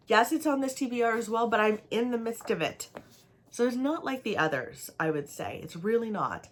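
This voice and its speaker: A woman's voice: medium pitch, a bit bright. A woman in her thirties from Canada, talking casually to camera about books she wants to read; she rambles in a chatty way, sounds a little tired, and is slightly snuffly from a cold. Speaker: book vlogger.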